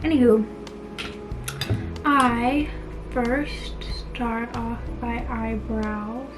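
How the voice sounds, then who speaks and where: A woman's voice: fairly high pitch, steady tone, extremely slow, loud music behind the voice. A young woman chatting playfully through a casual makeup tutorial in a bedroom, her speech slightly slurred by a retainer. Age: young adult. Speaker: beauty vlogger. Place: small bedroom indoors.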